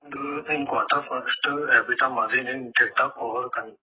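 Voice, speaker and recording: A man's voice: medium pitch, fairly even intonation, moderate pace, pushed and bright. A man with an Indian accent, an analyst putting formal questions on an earnings call. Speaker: investor analyst asking questions. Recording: muffled, lo-fi phone conference line.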